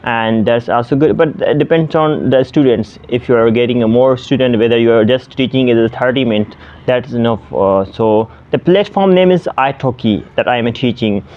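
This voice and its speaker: A man's voice: medium pitch, moderate pace, lo-fi sound. A man in his twenties from Pakistan, a native Sindhi speaker, talking casually to the camera as an online language tutor, with many fillers and restarts. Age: 20s.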